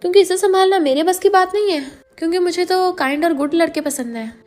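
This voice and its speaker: A woman's voice: very high-pitched, fast, darkish tone, soft background music. A woman voicing a feisty young wife who argues and protests indignantly. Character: feisty young wife, former college student, quick to argue.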